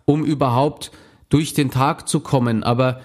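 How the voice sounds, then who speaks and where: A man's voice: mid-range voice, fairly even intonation, normal speed, darkish tone. A man in casual conversation, talking bluntly and with slang about his past experiences. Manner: blunt, colloquial, with slang and swearing. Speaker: former drug user sharing experience.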